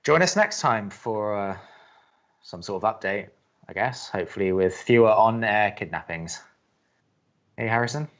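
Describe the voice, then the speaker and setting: Low-voiced wry college radio skeptic. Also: male voice, lively intonation, normal speed, long pauses, muffled recording. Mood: deflated, dry. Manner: hesitant, dry, sardonic. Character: Drew, wry reluctant skeptic male college radio co-host. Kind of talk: naturalistic audio drama acting.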